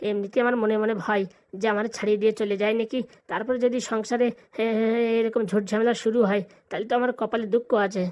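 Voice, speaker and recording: A woman's voice: on the high side, little pitch movement, quick pace, darkish tone, close to an everyday voice. A woman voicing a nervous, balding young bridegroom in a comic cartoon, hesitant and deferential. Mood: nervous, pleading.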